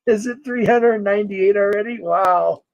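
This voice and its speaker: Guy in his 40s chatting on his livestream, kinda high voice, laughs a lot, reads chat. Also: normal speed, dry recording, low-quality recording. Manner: rambling, laughs often, talks to chat by name. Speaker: livestream host. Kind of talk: casual livestream chat reading comments.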